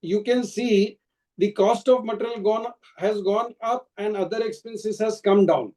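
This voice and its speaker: Indian guy exec on an earnings call, pretty high mellow voice, explaining stuff and restarting his sentences. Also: measured pace. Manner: explanatory, often restarting phrases. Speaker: company executive answering investor questions. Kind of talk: earnings call answers, spontaneous speech. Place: conference call.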